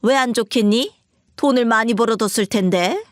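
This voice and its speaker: A woman voicing a pushy, shrill older mother-in-law who scolds and wails indignantly. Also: moderate pace, no room sound, studio quality, lightly acted. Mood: scolding.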